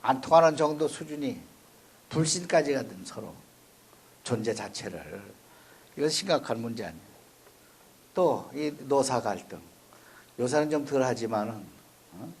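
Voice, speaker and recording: A male Buddhist monk from Chungcheong gives a conversational dharma talk. He speaks in a folksy, plain-spoken way and keeps checking in with the listeners with a quick "eh?". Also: mid-range voice, animated. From Chungcheong, South Korea. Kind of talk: conversational sermon. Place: temple or university dharma hall.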